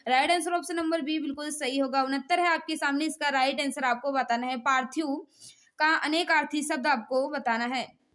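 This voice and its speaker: Female Indian teacher, high-pitched, for exam quiz lesson; instructional delivery that keeps prompting students to answer. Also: steady tone, moderate pace, fairly bright tone. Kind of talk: live exam quiz lesson, reading questions and giving answers.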